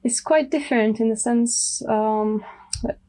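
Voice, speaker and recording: A woman from Romania, a medical herbalist guest speaking softly and thoughtfully in a podcast interview. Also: on the high side, a little slow, poor audio. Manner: soft-spoken, thoughtful, many you knows. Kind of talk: casual interview.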